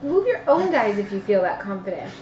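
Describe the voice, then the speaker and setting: Blunt, animated woman in an echoey room. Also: medium pitch, a little fast. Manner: blunt, argumentative. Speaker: player on a gaming live stream. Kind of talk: casual chat during a board game. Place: indoor room at a game table. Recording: echoey room, muffled lo-fi, faint noise.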